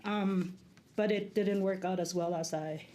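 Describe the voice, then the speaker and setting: A woman from the Philippines, a guest on a podcast, answering questions hesitantly with many pauses and restarts. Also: medium pitch, steady tone, dark tone. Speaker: guest, leadership coach. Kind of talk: interview answers.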